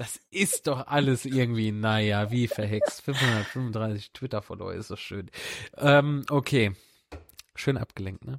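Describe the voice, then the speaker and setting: The sound is dry and close with no echo, and the pace is very slow. Loudness swings widely while pitch varies in an ordinary way. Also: man, medium pitch for a man. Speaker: filmmaker podcast host. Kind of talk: casual chat. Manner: animated, many fillers.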